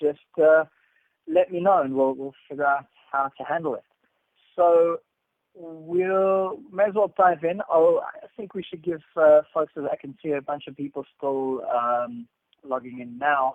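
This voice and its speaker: A man with a slight South African accent talks at a fairly slow pace with long, frequent pauses and ordinary pitch variation. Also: fairly high pitch for a man, big swings in loudness. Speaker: analytics consultant and company founder. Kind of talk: webinar presentation. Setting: online webinar. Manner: casual, with frequent fillers and repetitions.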